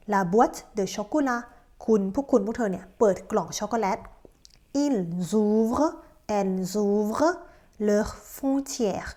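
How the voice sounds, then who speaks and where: Slow, careful woman teacher. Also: a little high, a little mellow. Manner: slow, careful model pronunciations between quick explanations. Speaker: French teacher. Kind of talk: language lesson.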